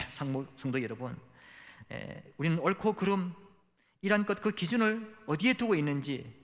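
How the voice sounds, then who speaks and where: A man's voice: a little high, gravelly, fairly bright tone. A middle-aged male pastor preaching a sermon in a church, dramatically acting out quoted prayers and dialogue. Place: church sanctuary. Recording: long hall reverb.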